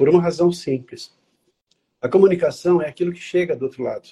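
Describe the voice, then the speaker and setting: Speaking at a very fast pace, a man has a fairly high pitch with ordinary variation. His tone is dark and mellow. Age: 50s. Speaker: communication coach. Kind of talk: interview.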